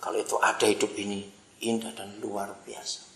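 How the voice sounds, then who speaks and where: A middle-aged man delivers a sermon in a forceful, bright tone, telling stories to his listeners. He calls out to them often and swings from emphatic outbursts to soft asides. The recording is roomy with a clear echo. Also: lowish voice, flat delivery, moderate pace. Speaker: preacher.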